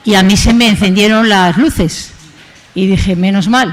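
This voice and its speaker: A woman's voice: mid-range voice, unhurried. A woman hosting a conference opening, introducing the guest speaker in a chatty, rambling way. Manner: chatty, rambling, tag questions. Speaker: association host introducing the speaker. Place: conference hall.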